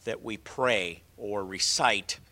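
Bright, hesitant male host. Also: on the low side, slow pace. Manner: hesitant, repeats words while searching for terms. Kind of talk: conversational religious teaching.

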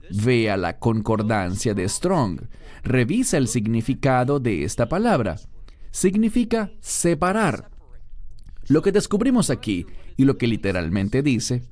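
A man's voice: medium pitch, darkish tone. A man teaching a Bible study lesson in a studio, speaking emphatically and posing rhetorical questions to his listeners.

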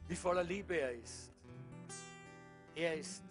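High-pitched male pastor, fervent sermon and prayer, quiet guitar underneath. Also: slow pace. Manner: fervent, with repeated hallelujahs.

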